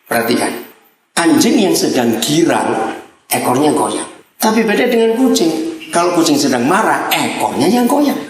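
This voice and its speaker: A male pastor delivers a sermon in a blunt, animated way, with his pitch leaping up and down as he fires rhetorical questions at the congregation. His voice rings out in a heavily echoing hall, like a large church. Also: moderate pace, a little hiss or hum. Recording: very echoey hall.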